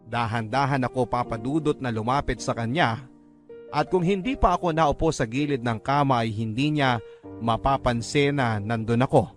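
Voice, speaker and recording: A Filipino man narrates a scripted drama in the first person. His voice sits at a middle pitch and is measured, with soft music underneath. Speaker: story narrator.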